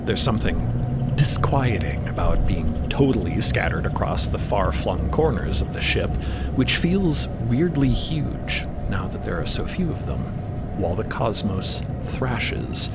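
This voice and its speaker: A man giving measured, dramatic scripted narration, at times hushed and breathy. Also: lowish voice, big pitch swings. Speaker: podcast narrator. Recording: loud music under the voice.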